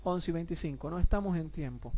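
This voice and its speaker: Guy leading a bible class, warm soft tone, keeps throwing questions at the room, kinda dull lo-fi recording. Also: fairly high pitch. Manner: repeats rhetorical questions and addresses listeners as brothers; explains slowly and repeats points for clarity.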